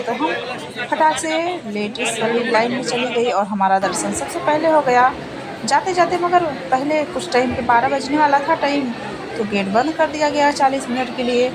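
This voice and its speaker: Chatty woman with a high-pitched voice. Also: normal speed, a loud crowd, rough recording. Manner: chatty, repeats phrases, rambling storytelling. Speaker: vlogger narrating a family trip. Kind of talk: casual travel vlog voice-over.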